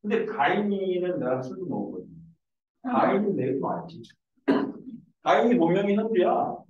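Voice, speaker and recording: A man's voice: high-pitched, moderate pace. Joking male math teacher in echoey room. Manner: animated, joking storyteller. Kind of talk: lecture mixed with casual anecdotes. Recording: echoey room, distant dull mic.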